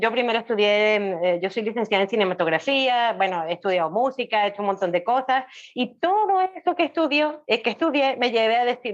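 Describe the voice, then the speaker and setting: Casting: chatty female interview guest, medium pitch, slightly muffled lo-fi recording. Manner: talkative, repeats phrases for emphasis. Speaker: podcast guest. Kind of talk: casual conversational storytelling. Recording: dull lo-fi voice audio.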